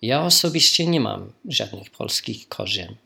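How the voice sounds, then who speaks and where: A man's voice: fairly low pitch, expressive, moderate pace, creaky, bright, forceful tone. A man from Australia, a native English speaker, speaking Polish as a learner with an Australian English accent, in careful phrasing with small slips, as in an informal recorded message.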